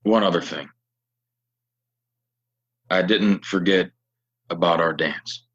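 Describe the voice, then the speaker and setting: Man acting low raspy drifter, very unhurried, weary, earnest, understated Western drama, muffled lo-fi sound. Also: a bit bright, full character voice. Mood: regretful. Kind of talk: Western audio play acting.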